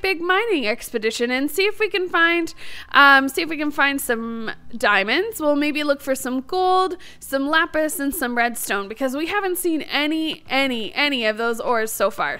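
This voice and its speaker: A woman's voice: sits high, pushed and bright. A woman giving casual let's-play commentary as the host of a gaming series, chatty, bubbly and enthusiastic.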